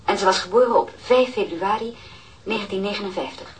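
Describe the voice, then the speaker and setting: A woman playing a police inspector in a radio drama, questioning gently, carefully and formally. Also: medium pitch, fairly quick, close to an everyday voice, poor audio. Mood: gentle, formal. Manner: formal, considerate. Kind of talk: naturalistic radio drama interrogation.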